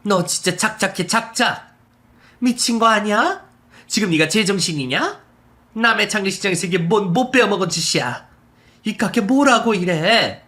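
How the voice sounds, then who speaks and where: A man's voice: a little high, unhurried, a bit bright, voice pushed up. A man voicing a firm, caring older mother-in-law who scolds emphatically in a narrated story. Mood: scolding.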